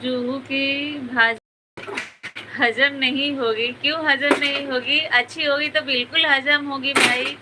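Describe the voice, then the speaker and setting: A woman's voice: sits high, fairly even intonation, takes it slowly. A woman hosting a casual live stream from home, chatting with viewers and greeting them by name. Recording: noisy home ambience behind the voice.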